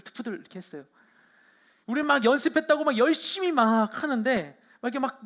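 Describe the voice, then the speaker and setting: A young adult male pastor delivers a sermon as a lively story, his voice sitting high and swinging widely in pitch. He talks with frequent fillers and animated retelling, rising and falling as he goes. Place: church hall.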